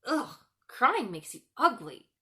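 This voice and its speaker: A woman's voice: on the high side, big pitch swings, takes it slowly, bright, forceful tone, voice pushed up, exaggerated voice. A woman voicing a sneering, cruel young boy in a storybook, irritable, snappish and mocking. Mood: disgusted, irritable.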